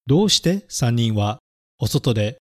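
A man reading a children's story and teaching English words, speaking clearly and carefully and spelling words out letter by letter. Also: mid-range voice, sing-song, a little slow, dry recording, clean studio sound. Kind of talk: bilingual children's lesson narration.

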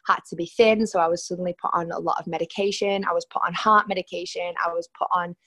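A woman's voice: fairly low pitch, fairly even intonation, quick pace, bright, forceful tone, husky, no room sound, studio quality. A young woman with a Manchester accent, a personal trainer telling her story on a podcast in a candid, chatty way. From Manchester, England. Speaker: guest, personal trainer and nutritionist. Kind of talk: podcast interview. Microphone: remote call.

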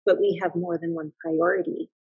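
Very husky, gravelly-voiced woman. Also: fairly low pitch, flat delivery, moderate pace, no room sound. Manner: thoughtful and earnest, with frequent restarts. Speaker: podcast guest, mother and business owner. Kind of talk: casual reflective interview talk. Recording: slightly dull, lo-fi sound.

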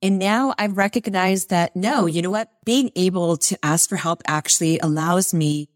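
A woman's voice: fairly low pitch, moderate pace, dry recording, clean studio sound. A woman in her forties, a guest on an interview podcast, talking in an upbeat, encouraging way. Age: 40s.

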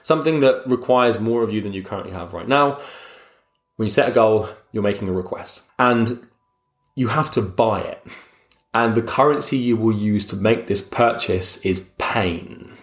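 A man's voice: on the low side, moderate pace. A young man giving a blunt, motivational talk straight to the listener, swearing casually and calling him mate. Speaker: motivational speaker. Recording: roomy echo.

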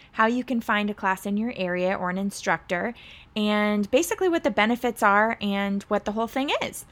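A woman's voice: medium pitch, fairly bright tone. A woman hosting a parenting podcast, reading an upbeat intro and then chatting with her guest. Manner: upbeat and friendly, scripted intro. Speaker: podcast host.

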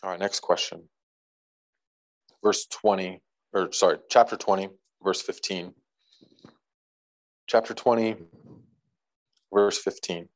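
A man's voice: low voice, steady tone, slow, pauses often, rough recording. A man preaching a casual, conversational sermon to a congregation, reading scripture aloud and adding light jokes. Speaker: pastor.

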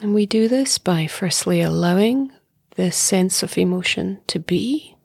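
A meditation teacher guides a meditation, her soft, breathy, lowish voice often sinking close to a whisper. Calm and soothing, she speaks very slowly, leaving long pauses. The sound is close and dry, with no room sound.

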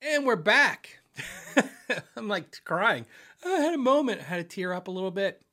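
A man's voice: high voice, sing-song, a little slow, pushed and bright. A middle-aged man hosting a casual livestream from his home office, rambling and restarting as he reads out viewer messages. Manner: rambling, restarts often, many fillers. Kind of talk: casual chat.

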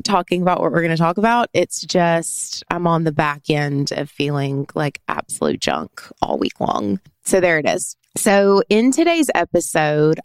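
A congested woman with a head cold talks into a close mic as she hosts her podcast. Her lowish voice is a touch raspy and gravelly, yet smooth underneath, and the sound is dry and near. She rambles earnestly, looping back and restarting her thoughts. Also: no room sound. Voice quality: slightly raspy. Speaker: podcast host. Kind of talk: casual solo podcast talk.

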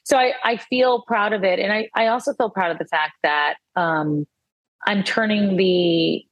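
A woman's voice: mid-range voice, a little slow, slightly rough, dry recording, low-quality recording. A woman in her fifties, a guest talking about herself in a reflective, earnest way, restarting her sentences often. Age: 50s. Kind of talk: casual conversation.

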